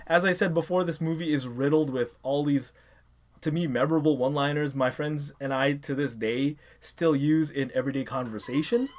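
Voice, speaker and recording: A man's voice: fairly high pitch, moderate pace. A man hosting a casual movie review vlog, talking enthusiastically and rambling a little. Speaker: host.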